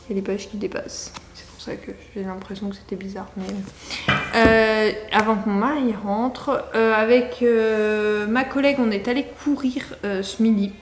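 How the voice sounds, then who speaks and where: A woman's voice: medium pitch, fairly even intonation, moderate pace, reverberant, noisy background. A young French woman with a French accent, rambling through a casual book vlog with lots of fillers and restarts. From France. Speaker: book vlogger.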